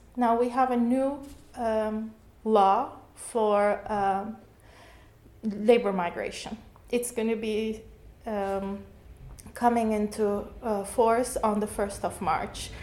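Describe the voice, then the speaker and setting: A woman's fairly high, monotone voice with flat intonation at a very slow pace, with long, frequent pauses and audible room echo. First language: not English or German. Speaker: professor. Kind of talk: interview.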